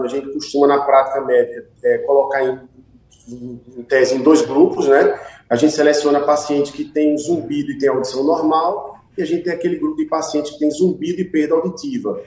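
A man, a doctor guest, explaining a symptom in a measured, teaching manner. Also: fairly high pitch, a little mellow, roomy sound, low-quality recording. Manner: measured, didactic. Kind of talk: medical explanation on radio.

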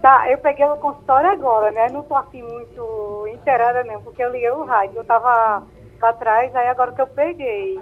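A woman phones in to a radio show on a landline, chatting casually and softly, often closing phrases with a questioning "né?". Her voice is on the high side, brisk and a bit breathy. The narrowband handset line makes her sound tinny.

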